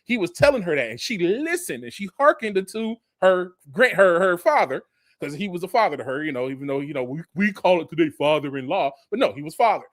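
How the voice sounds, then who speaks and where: A fortysomething Bible teacher preaches from scripture in a relaxed, conversational way, often restarting phrases, saying "you know," and tossing in emphatic, mocking asides. His male voice is fairly high with big pitch swings, fairly quick and fairly bright, with no echo.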